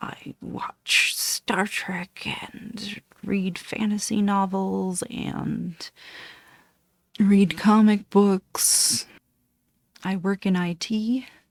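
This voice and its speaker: A woman talks at a very slow pace, with long, frequent pauses. Her medium-pitched voice is somewhat breathy and fairly even in intonation, with a dry, close sound and no echo. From Costa Rica, raised in Florida. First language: Spanish. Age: 30s. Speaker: cross-stitch vlogger. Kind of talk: casual monologue. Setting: filming at home in the dark. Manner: off the cuff, hesitant with ums.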